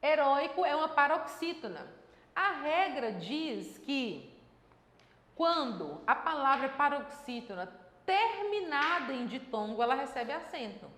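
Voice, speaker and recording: High-voiced woman teaching grammar in an echoey room. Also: very animated, unhurried, a bit bright, a little hiss or hum. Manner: explanatory, checks in with tags like "tá?" and "né?". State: dry throat. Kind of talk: exam-prep grammar lesson. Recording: echoey room with long reverb.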